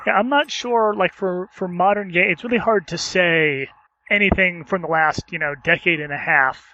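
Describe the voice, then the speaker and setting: A man's voice: high voice, normal speed, lo-fi sound, background noise. A man chatting casually on a podcast panel, informal and offhand with a skeptical streak. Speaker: podcast panelist discussing video games. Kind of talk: casual chat.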